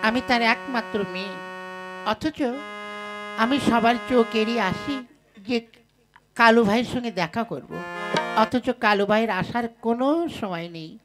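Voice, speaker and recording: Woman voicing a sharp-tongued landlord's daughter. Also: a little high, lightly acted. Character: haughty young daughter of a rich landlord. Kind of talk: puppet show voice acting.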